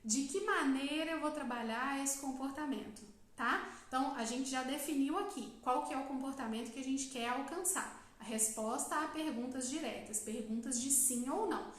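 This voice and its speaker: High-voiced Brazilian woman teaching in an echoey room. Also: normal speed, hardly any pauses. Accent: Brazilian Portuguese. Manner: explanatory, frequent "tá?" check-ins, asks questions and answers them herself. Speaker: psychologist giving a live talk. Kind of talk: live-stream lecture.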